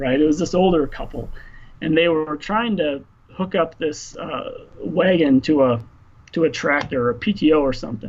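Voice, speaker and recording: A man with an American accent speaks at a moderate pace in a fairly high pitch. His pitch varies an ordinary amount, and there is noticeable background noise. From US Midwest, Minnesota. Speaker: forest health scientist. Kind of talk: casual interview chat.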